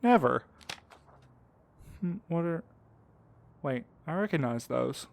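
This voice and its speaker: A man's voice: a little high, animated, takes it slowly, vocal fry, full character voice. A man acting in an audio drama as an anxious, devoted partner, earnest, caring and a little hesitant. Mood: earnest, guilty. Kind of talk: fiction podcast acting.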